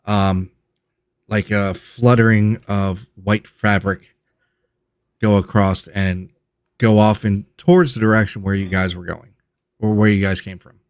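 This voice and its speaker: A man's voice: fairly low pitch, level tone, measured pace, pauses often, clean tone, no echo, clean studio sound. A man narrating as game master of a tabletop game, describing scenes in a loose, self-correcting way.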